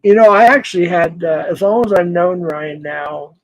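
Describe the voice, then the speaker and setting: A man's voice: high voice, normal speed, no echo, poor audio. A man in his forties hosting a casual livestream, rambling, laughing often and greeting chat viewers by name. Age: 40s. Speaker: livestream host.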